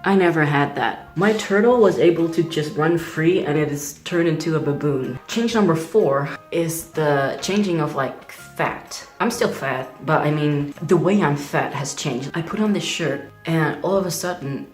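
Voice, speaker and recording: A man's voice: on the high side, a little slow, few pauses, reverberant, soft background music. A young trans man talking candidly in a casual video diary, chatty and full of "like" fillers. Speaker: vlogger.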